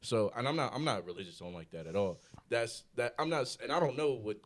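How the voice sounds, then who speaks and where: A man co-hosting a podcast, blunt and animated, cutting in on others in casual chat. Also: mid-range voice, fast talker.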